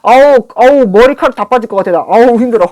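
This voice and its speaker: Animated middle-aged woman, tarot reader, talks straight to viewers, dramatic asides. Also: on the high side, quick pace. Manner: animated, swings between pleading and scolding asides. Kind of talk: live tarot reading monologue.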